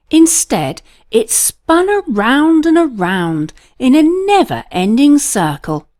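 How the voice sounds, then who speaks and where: A woman narrates a children's storybook. Her delivery is unhurried and dramatic, with emphatic pauses and a very lively, swooping pitch. The sound is dry, with no room around it. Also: no room sound. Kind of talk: expressive read-aloud storybook narration.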